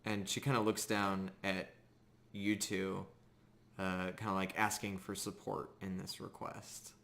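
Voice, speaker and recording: Slow, low-voiced male game master. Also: little pitch movement, gravelly, fairly bright tone. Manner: hesitant, pausing between phrases. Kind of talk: improvised tabletop game narration.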